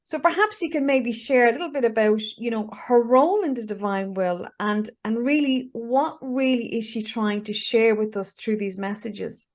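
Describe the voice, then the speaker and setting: This host, a woman in her fifties, runs a relaxed video-call interview enthusiastically, peppering her talk with fillers and restarts. Her fairly high voice moves at a moderate pace with hardly any pauses.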